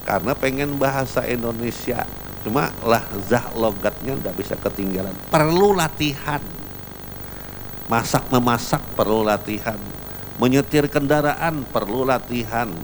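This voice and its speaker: A man's voice: mid-range voice, slight background noise, low-quality recording. A man giving a religious lecture, emphatic and repetitive as he tells everyday anecdotes. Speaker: preacher.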